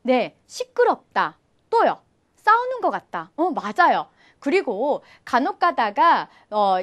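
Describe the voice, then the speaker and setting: A woman's voice: high-pitched, a bit bright. A young woman teaching an online Chinese lesson, friendly and encouraging, often asking her viewers questions.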